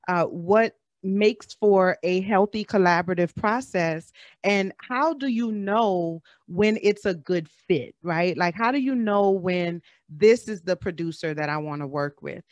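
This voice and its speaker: A woman's voice: medium pitch, measured pace, dry recording. Chatty woman hosting a panel. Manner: chatty, calls listeners "girl" and "y'all". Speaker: panel host. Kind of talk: casual panel discussion.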